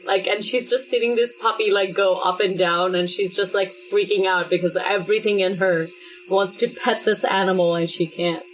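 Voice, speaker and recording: A woman's voice: medium pitch, steady tone, normal speed, a little hiss or hum, rough recording. A woman playing a tabletop game, casually improvising narration with lots of "like". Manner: informal, peppered with "like".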